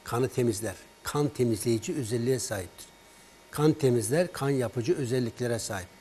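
A man telling a patient's story on a health program, lively and acting out both sides of the phone calls. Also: medium pitch, normal speed, slight background noise. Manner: animated storyteller, acts out patient's and his own words in dialogue. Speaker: herbal remedy expert on a broadcast.

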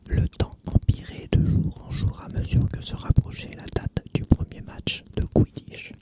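Soft whispered storybook reader. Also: unhurried. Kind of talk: whispered audiobook reading.

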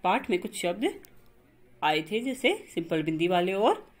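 Slow, husky-voiced woman teacher. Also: fairly low pitch, sing-song. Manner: patient, explains slowly and repeats words. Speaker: school teacher. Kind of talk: recorded online grammar lesson.

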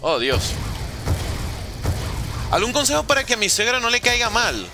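This man's voice is very high-pitched, with wide swings in pitch and a normal speed, and music plays in the background. He's streaming a video game, joking around in slang and reading his viewers' messages aloud to respond to them in casual commentary.

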